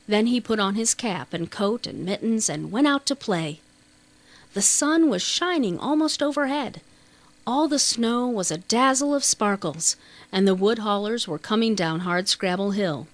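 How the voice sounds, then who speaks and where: A woman narrates a children's novel in a mid-range voice. Her delivery is scripted and measured, with the expressive shaping of an audiobook storyteller. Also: medium pitch.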